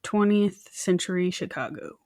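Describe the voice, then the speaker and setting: A woman's voice: lowish voice, measured pace, warm tone, dry recording, studio quality. A woman co-hosting a true crime podcast, telling the story in a chatty, informal way with wry, joking asides. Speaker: podcast co-host presenting the case.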